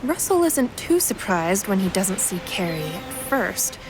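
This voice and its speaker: A woman's voice: mid-range voice, sing-song, unhurried, rough recording. Woman narrator over a music bed. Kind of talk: scripted story narration, present tense.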